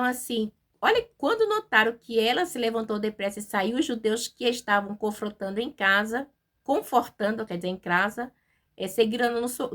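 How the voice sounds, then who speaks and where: A woman with a Brazilian Portuguese accent giving an informal devotional Bible talk, chatty, with many fillers and tag questions, and reading verses slowly. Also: a little high, fairly bright tone. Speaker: Bible teacher.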